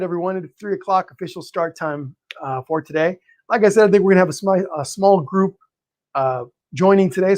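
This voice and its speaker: A man hosting a live painting stream, greeting viewers by name in a friendly, chatty way, his voice a little hoarse and tired, clearing his throat now and then. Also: a little high. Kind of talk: live-stream chat and teaching.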